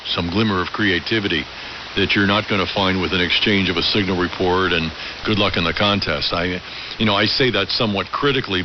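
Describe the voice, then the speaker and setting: A man's voice: low-pitched, lo-fi sound. An articulate middle-aged man who talks in long, reflective, conversational transmissions as an amateur radio operator on AM. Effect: AM ham radio transmission. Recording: band-limited AM radio with loud hiss. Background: radio hiss.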